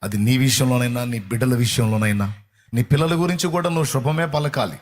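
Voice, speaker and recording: A man's voice: medium pitch, fairly quick. A middle-aged man preaching a sermon in a fervent, repetitive cadence. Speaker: pastor.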